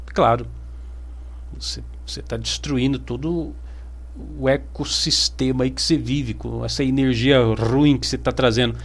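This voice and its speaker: A man's voice: mid-range voice, fairly even intonation, moderate pace. A man with a Brazilian Portuguese accent giving a motivational self-help talk, speaking emphatically and piling up repeated words as he addresses his audience directly.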